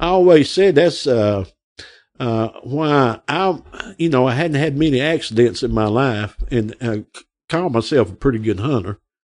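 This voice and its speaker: This speaker has a Southern US accent and lively intonation. The pace is moderate, and the background is quiet. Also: man. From Arkansas. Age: 60s. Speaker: turkey hunter. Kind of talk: casual storytelling interview.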